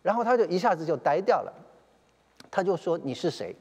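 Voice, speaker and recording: A man's voice: sits high, animated, a little fast, a little mellow, breathy edge, long reverb tail. A man, a church elder, retelling a story in a sermon, with many fillers and English phrases slipped in.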